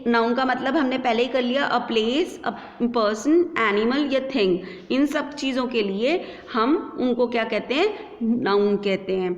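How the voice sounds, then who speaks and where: A woman gives a classroom lesson, explaining patiently and repeating her examples one by one. Her voice sits a little high and moves at an unhurried pace. It is recorded dull and lo-fi, with a roomy echo and a long reverb tail. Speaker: teacher. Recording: echoey lo-fi room recording.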